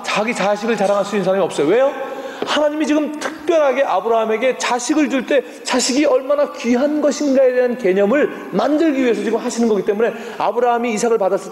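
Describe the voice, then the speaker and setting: Missionary guy in his 50s preaching, funny stories, highish voice, big echoey church hall. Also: a little mellow. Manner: humorous, acts out voices in quotes. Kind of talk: sermon with storytelling. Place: church sanctuary.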